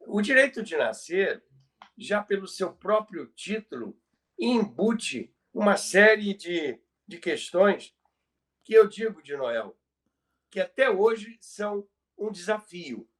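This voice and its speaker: Brazilian man, fairly high-pitched, explaining emphatically. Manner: explanatory, emphatic, repeats key phrases for effect. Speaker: podcast presenter on radio history. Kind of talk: conversational storytelling about radio history.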